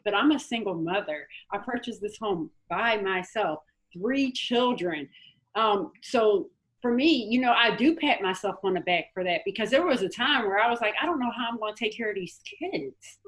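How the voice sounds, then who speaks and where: A woman's voice: mid-range voice, normal speed, a bit bright, rough recording. An American woman hosting a casual motivational panel chat, emphatic and encouraging, repeating phrases for effect. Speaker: host.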